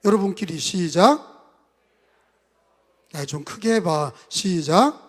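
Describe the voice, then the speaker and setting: A man's voice: high-pitched, animated, slow pace, big-room sound. A man preaching a sermon as pastor, impassioned, leading the congregation in repeating phrases after him. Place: church sanctuary.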